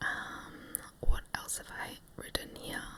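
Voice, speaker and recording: A woman whispers fairly slowly, and noticeable background noise is present. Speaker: ASMR creator. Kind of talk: book review ramble. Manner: whispered, breathy.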